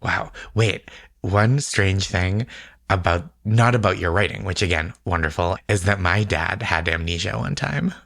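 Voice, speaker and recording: A man co-hosting a relaxed bedtime podcast, talking in loose, casual, halting phrases. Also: deep voice, creaky, dry recording, studio quality. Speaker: podcast co-host.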